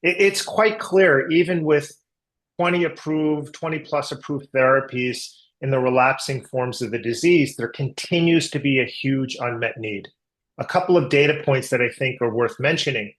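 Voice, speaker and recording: Man executive giving measured corporate answers. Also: mid-range voice, fairly bright tone. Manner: measured corporate explaining, medical and market jargon. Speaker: company executive. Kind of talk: earnings call answers, business presentation.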